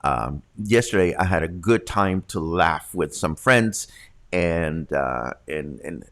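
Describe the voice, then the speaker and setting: A man's voice: sits low, animated, slow pace, fairly bright tone. Man, 50s, congested news host, casual and chatty, home studio mic. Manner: chatty, reads viewer comments aloud. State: congested from allergies. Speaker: host of a local news livestream. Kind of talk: casual news reading and viewer chat. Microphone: large studio condenser mic.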